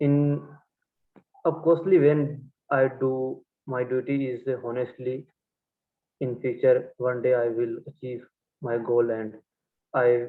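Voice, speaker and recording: A man speaks very slowly in a medium-pitched voice with a Bihari accent. His intonation is fairly even, broken by long, frequent pauses. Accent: Indian English, Bihari. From India, Bihar. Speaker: engineering student. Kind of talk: impromptu speech. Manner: halting.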